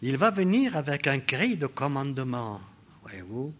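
An older man preaching a sermon, addressing the congregation with rhetorical questions, swinging between loud exclamations and quiet asides. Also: mid-range voice, very animated, unhurried.

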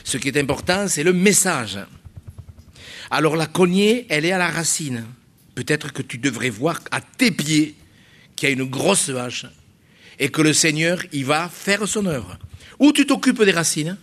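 A man's voice: fairly high pitch, animated, measured pace, a bit bright. A middle-aged man, a pastor preaching a sermon at a church service, emphatic and repetitive, full of rhetorical questions.

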